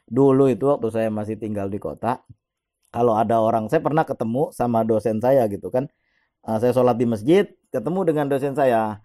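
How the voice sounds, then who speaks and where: Mellow-voiced man telling a story. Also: mid-range voice, a little fast. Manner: chatty, laughs often while telling; opens with Islamic greetings and prayer. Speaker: channel host telling a personal story. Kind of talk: casual storytelling monologue.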